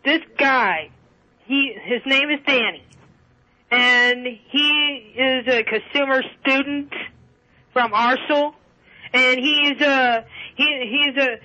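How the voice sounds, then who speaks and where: A man calling in to a radio show over the phone, talking in a halting, rambling way full of restarts and fillers. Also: very high-pitched, pushed and bright. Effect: caller heard over a phone line. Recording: dull lo-fi phone line.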